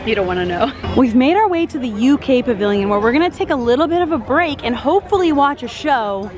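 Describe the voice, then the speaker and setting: A woman giving casual, expressive food reviews and vlog commentary outdoors in a busy theme park. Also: sits high, fast. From raised in a Cuban household. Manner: chatty, expressive, rambling descriptions. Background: crowd chatter and music.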